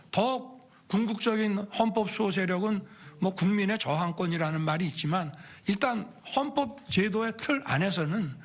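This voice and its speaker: A man making formal public remarks in a measured, deliberate way. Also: high-pitched.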